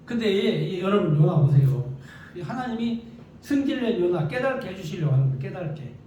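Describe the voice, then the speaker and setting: High-voiced preacher in an echoey room. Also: male voice, very animated, brisk, warm tone, muffled recording, a little hiss or hum. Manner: emphatic, with rhetorical questions and repeated "응?". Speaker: pastor. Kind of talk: sermon. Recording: echoey room picked up from a distance.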